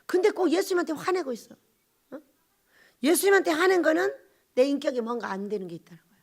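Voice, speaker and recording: Preaching on a Sunday, this pastor swings from forceful exhortation to quiet asides and asks her congregation brief questions. She speaks fast in a high, very animated voice.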